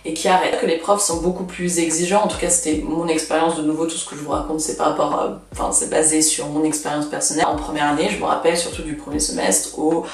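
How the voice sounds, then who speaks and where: Here a twenty-something Russian vlogger, Russian by first language, talks fast with hardly any pauses in a low, flat voice while giving casual advice. She's chatty and blunt and uses lots of fillers; the echoey room leaves her sounding a bit far from the mic, with a little hiss or hum.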